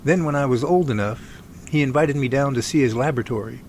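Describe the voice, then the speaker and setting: A man acting as an earnest, folksy research team leader in an audio drama. He speaks haltingly at a medium pitch, with noticeable background noise on the homemade recording. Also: a little mellow, lightly acted. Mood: reflective, earnest. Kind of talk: amateur audio drama dialogue.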